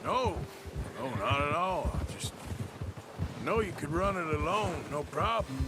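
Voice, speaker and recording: An actor playing a weary, plain-spoken Western outlaw in a video game, with a folksy, rough-spoken American drawl. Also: male voice, on the high side, expressive, measured pace. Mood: reflective. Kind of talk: video game character dialogue. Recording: loud music behind the voice. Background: loud game music.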